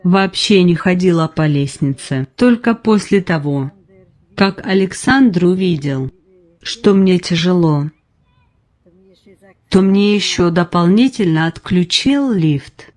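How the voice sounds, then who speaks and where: Older woman in her nineties, patient interviewee, unhurried, plain short sentences. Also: on the low side, animated, darkish tone. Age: 90s. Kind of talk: slow personal testimony.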